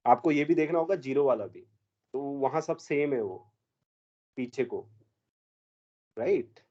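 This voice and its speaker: A man's voice: mid-range voice, animated, measured pace, warm tone, highs cut off. A man teaching an exam math problem in a classroom, mixing Hindi with English math terms and quizzing his students.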